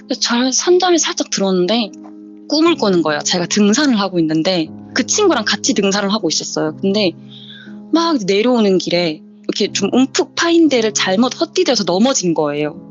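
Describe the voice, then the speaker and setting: A woman guest telling a personal ghost story in a casual interview, lively and acting out the dialogue. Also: medium pitch, a little fast. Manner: lively, acts out the quoted dialogue. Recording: dull lo-fi audio with faint music bed.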